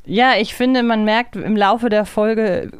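Woman podcast co-host, smooth resonant voice, dry sound, casual chat, thoughtful, halting phrasing. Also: a little high, steady tone, dry recording. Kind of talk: casual chat about an audio drama series.

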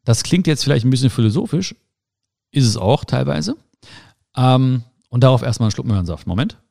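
A young man talks straight to his listener in a casual advice monologue, reflective and personal. His pitch swings up and down in a lively way as he acts out small imagined conversations. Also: fairly quick, creaky. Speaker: podcast host.

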